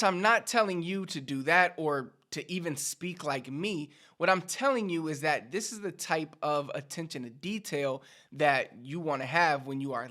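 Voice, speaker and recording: Speaking straight to viewers, a Spanish teacher from Puerto Rico delivers an upbeat, instructive language lesson. His voice is bright and on the high side.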